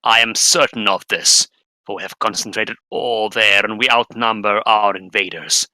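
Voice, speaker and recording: A man's voice: fairly low pitch, fairly even intonation, moderate pace, pushed and bright, dry recording, poor audio. A man voicing an earnest fire angel in a tabletop game, speaking in grave, formal declarations of peril. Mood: grave warning. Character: male fire angel, earnest heavenly warrior warning of peril.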